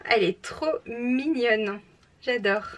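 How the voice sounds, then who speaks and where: Young woman vlogger, bright higher voice, chatty and enthusiastic, a little off-mic with faint room noise. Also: slow, far from the mic. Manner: chatty, enthusiastic, frequent "euh" fillers. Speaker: book unboxing vlogger. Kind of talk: casual unboxing chat.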